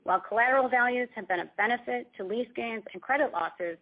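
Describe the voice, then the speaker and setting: A woman company executive reading a scripted earnings call presentation in a formal, measured corporate manner. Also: on the high side. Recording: dull, band-limited conference call audio.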